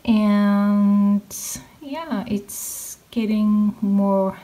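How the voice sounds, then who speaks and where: A young woman whose first language is Turkish, speaking English in a relaxed, casual vlog voice-over. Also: mid-range voice, drawn-out words. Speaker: vlogger.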